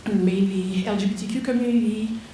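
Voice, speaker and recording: A woman's voice: medium pitch, fairly even intonation, mellow. Earnest Swiss woman in an echoey theater. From Switzerland. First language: not English. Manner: slow, earnest, pausing between phrases. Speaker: dancer and performer. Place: theater auditorium. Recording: echoey theater with faint noise.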